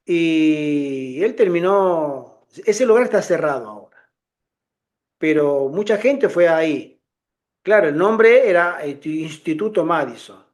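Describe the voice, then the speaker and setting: Middle-aged guy talking to his church, high-ish voice, animated storyteller, does the voices of people he quotes. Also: slow. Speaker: lay ministry speaker. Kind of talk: informal testimony to a congregation.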